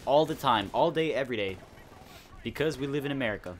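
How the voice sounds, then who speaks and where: A man's voice: mid-range voice, animated, fast, slight background noise. A teenage boy hosting a casual gaming chat, telling a school story in a rambling, indignant way. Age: teens. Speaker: host.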